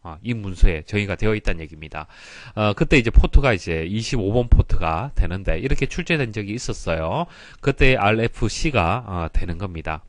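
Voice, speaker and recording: Male instructor, fairly deep voice, explanatory lecture delivery with repeated key points, dry room-free sound. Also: expressive, brisk, few pauses, dry recording. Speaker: exam-prep lecturer. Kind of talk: instructional lecture working through past exam questions.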